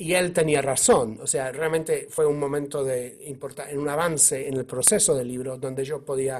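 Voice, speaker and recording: Pitched fairly high, a man speaks with fairly even intonation at a moderate pace. He hardly pauses. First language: English (speaking Spanish). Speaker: author. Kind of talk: book presentation talk. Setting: press conference. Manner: halting, many false starts.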